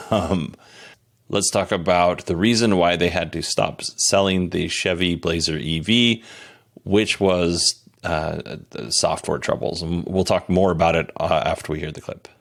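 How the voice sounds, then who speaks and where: A man's voice: low-pitched, fairly even intonation, unhurried, creaky, fairly bright tone. A man hosting a podcast, giving casual, conversational news commentary in a candid, self-deprecating way. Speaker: podcast host.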